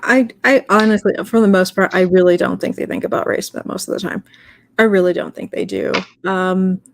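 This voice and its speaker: A woman's voice: mid-range voice, steady tone, fairly quick, vocal fry, slight background noise. A young woman in casual discussion, talking in a rambling way with many fillers and restarts.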